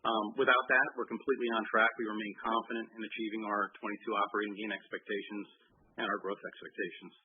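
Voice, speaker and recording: Husky male executive on a phone line. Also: on the low side, little pitch movement, fast talker. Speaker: company executive answering analyst questions. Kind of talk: earnings call answer. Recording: narrow-band conference call line.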